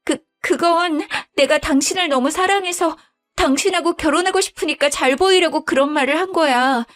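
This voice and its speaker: A whiny, stammering young wife, a schemer who wheedles and begs in a high, reedy voice, as a woman puts her on for a spoken story, with faint music under it. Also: normal speed, fairly bright tone. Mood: pleading. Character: pleading scheming young wife, daughter-in-law.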